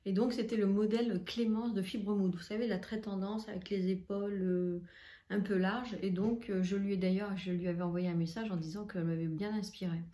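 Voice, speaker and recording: A woman's voice: medium pitch, fairly even intonation, mellow. Chatty woman in a roomy room. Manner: chatty, enthusiastic, many filler pauses. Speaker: sewing vlogger. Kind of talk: casual haul vlog.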